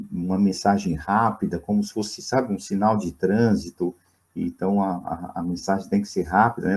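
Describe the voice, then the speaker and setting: Low, mellow Brazilian history teacher. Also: male voice. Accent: Brazilian Portuguese. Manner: conversational, many fillers like "né" and "não é". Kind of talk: recorded video lesson.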